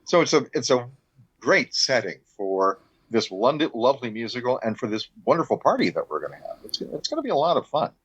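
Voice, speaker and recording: A man's voice: medium pitch, sing-song, fairly quick, fairly bright tone, breathy edge, no room sound, muffled recording. A man talking casually as an interview guest, an artistic director of a theater.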